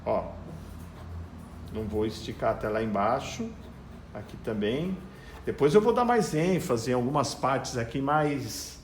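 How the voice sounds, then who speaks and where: A man speaking at medium pitch with a darkish tone and a Brazilian Portuguese accent teaches painting step by step, chatting casually as he works in his home garage. He explains what he's doing and talks to his dog, which whines and barks. The room echoes, with slight background noise.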